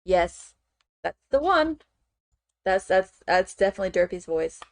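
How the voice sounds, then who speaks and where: Woman streamer muttering through her work, lots of okays, kinda gravelly. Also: mid-range voice, sing-song, measured pace, no room sound. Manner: thinks aloud, frequent "okay" and fillers. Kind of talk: casual chat while working on screen.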